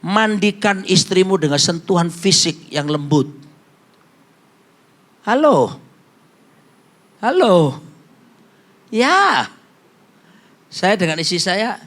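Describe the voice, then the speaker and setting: A man's voice: fairly high pitch, fairly bright tone. A middle-aged male pastor, preaching a humorous sermon and telling stories in a jokey way. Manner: jokey storyteller, acts out quotes, slips into Javanese phrases.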